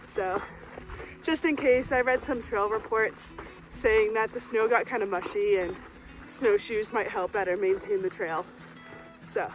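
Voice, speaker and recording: A woman's voice: mid-range voice, rough recording. A woman hiking vlogger talking casually to camera while trudging along a snowy winter trail outdoors.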